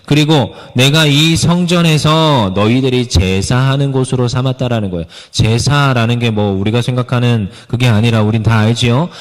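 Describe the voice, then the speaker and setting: A man's voice: mid-range voice, normal speed, few pauses. A man preaching a sermon as a pastor, earnest, sometimes acting out pleading prayers. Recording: long hall reverb.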